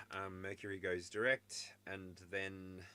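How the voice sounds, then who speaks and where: In an Australian accent, the speaker talks at a fairly slow pace with a bright, sharp tone. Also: man. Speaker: tarot reader. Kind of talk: live-stream tarot reading. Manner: casual, rambling.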